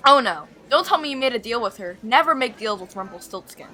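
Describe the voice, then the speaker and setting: A woman voicing a chatty, excitable, goofy school friend in an animated web series. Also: a little high, brisk. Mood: goofy dismay. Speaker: voice actor in a fan-made Roblox school series.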